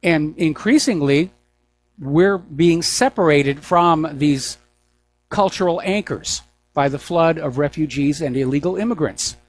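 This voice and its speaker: An older American man hosting a political news talk show, speaking in an opinionated monologue with deliberate, pause-broken phrasing. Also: fairly high pitch. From United States.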